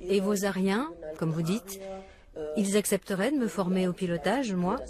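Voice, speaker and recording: A woman's voice: medium pitch, normal speed, a crowd in the background. Woman interviewer, dry and probing. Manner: dry, probing questions with quiet irony. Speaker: documentary presenter and interviewer. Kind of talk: documentary interview and narration.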